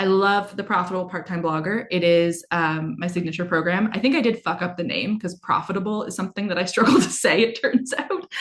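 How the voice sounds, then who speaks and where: Her pitch sits at a medium level with ordinary variation as the woman talks at a fairly quick pace. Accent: Toronto. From Canada, Toronto. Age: 30s. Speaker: business coach. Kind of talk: live workshop. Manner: mumbling.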